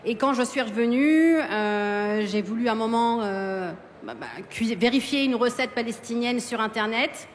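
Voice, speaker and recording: A woman's voice: on the high side, unhurried, hardly any pauses, big-room sound, a little hiss or hum. A woman from France, a food blogger guest, answering on a live stage with many fillers and plenty of passion. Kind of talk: live radio interview. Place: outdoor festival stage.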